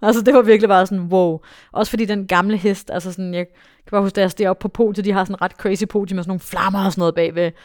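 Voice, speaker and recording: A young woman, a dressage rider, telling a story in a casual interview with lots of fillers and bursts of excitement. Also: mid-range voice, dry recording, studio quality. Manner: animated, excitable, many fillers.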